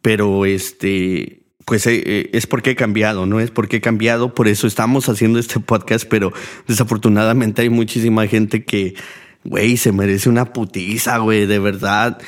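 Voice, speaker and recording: Rambling, profane Mexican man with a lowish voice. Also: little pitch movement, normal speed. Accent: Mexican Spanish. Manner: profane, rambling, heavy use of fillers. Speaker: podcast host. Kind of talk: casual monologue.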